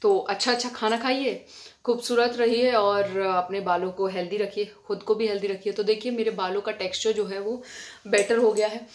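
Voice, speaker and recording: A woman's voice: medium pitch, fairly even intonation, moderate pace. A woman from India giving a casual, chatty hair-care tutorial at home, talking straight to her viewers as friends. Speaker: beauty vlogger. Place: indoors at home, fan switched off.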